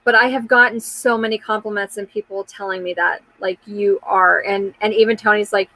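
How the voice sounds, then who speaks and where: A woman's voice: medium pitch, steady tone, a little fast, sharp tone, no echo, low-quality recording. A woman in her forties hosting a casual live chat, talking candidly in a rambling way and answering viewer comments, with frequent fillers and restarts. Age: 40s.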